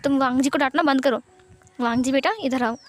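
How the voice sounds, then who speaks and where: A woman voicing a protective, warm-hearted mother who fusses over one son and chides the other in a fan story reading. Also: high voice, steady tone, a little fast, lightly acted. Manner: fussing and chiding.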